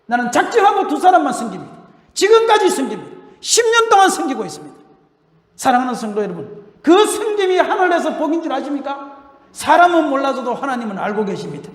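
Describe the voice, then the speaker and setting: An older male pastor preaching a sermon, telling stories with laughter and shouting the scripture lines. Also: very high voice, sing-song, fast. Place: church sanctuary. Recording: roomy hall reverb.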